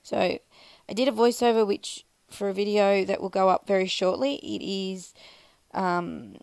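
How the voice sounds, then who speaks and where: Australian woman, scratchy sick-sounding voice, rambling casual narration, fry in the voice, dead dry sound. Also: mid-range voice, fairly even intonation, a little slow, darkish tone, no room sound. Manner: chatty, rambling, self-deprecating, many fillers. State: croaky, scratchy voice from illness. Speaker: scrapbooking vlogger.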